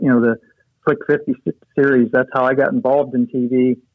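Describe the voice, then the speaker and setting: At medium pitch, a man speaks with ordinary pitch variation. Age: 60s. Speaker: retired sprint car driver. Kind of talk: interview. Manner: smooth.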